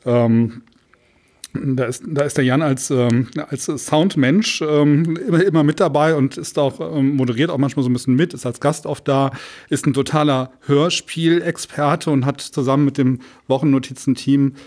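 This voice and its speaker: A man's voice: mid-range voice, steady tone, normal speed, darkish tone. Casual man hosting a podcast. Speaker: podcast co-host.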